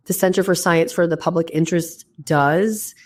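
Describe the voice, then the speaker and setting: A woman's voice: lowish voice, normal speed, darkish tone. A woman hosting an interview show from a hotel room, chatty and enthusiastic, sounding stuffy like she has a head cold. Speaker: podcast host. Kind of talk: casual interview chat.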